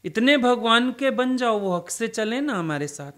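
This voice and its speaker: A man's voice: very high voice, expressive, unhurried, a bit bright. A man giving a devotional satsang talk, telling personal stories in a conversational way. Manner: conversational storytelling, acting out quoted dialogue. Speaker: satsang speaker.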